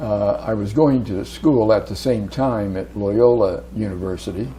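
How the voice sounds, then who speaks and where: Against noticeable background noise and audible room echo, a man with an American accent talks at a fairly slow pace with a fairly low pitch. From US Midwest, Springfield, Illinois. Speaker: retired diplomat. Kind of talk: interview. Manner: halting, many fillers.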